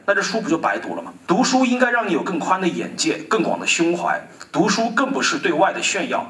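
Fast, animated man talking in an echoey hall. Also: fairly high pitch, distant mic. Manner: animated storyteller, quotes people in dialogue, jokes with the audience. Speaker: author giving a talk. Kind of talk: lively public talk at a book launch. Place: hall at a book launch event.

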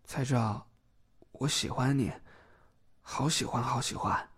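A man's voice: mid-range voice, slow, a bit bright, breathy edge, full character voice. A man playing a sweet, bashful, teasing young gay man in an audio drama. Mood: intimate.

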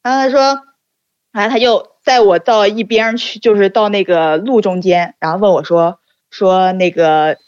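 A woman casually telling a childhood story, acting out the dialogue in quick bursts. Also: medium pitch, steady tone, a little mellow, no room sound, dull audio.

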